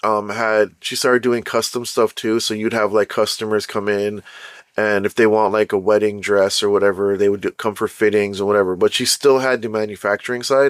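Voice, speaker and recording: A man with a Canadian accent speaks at a fairly low pitch in a monotone, flat intonation. His fairly quick delivery is recorded dry and close, with no echo. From Canada. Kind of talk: casual podcast talk to camera. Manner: casual, conversational.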